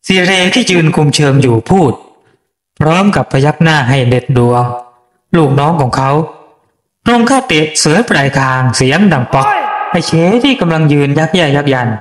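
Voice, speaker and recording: A man's voice: fairly high pitch, sing-song, moderate pace, reverberant. A man telling a scripted bedtime story in a dramatic storytelling manner. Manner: dramatic storytelling with coarse rural dialogue. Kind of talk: scripted bedtime story narration, voicing characters.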